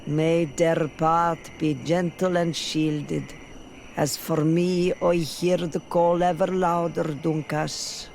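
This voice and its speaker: A gentle tribal mystic in a fantasy game. His voice is high for a man, slow and reverent, with ambient noise behind it. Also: flat delivery, vocal fry.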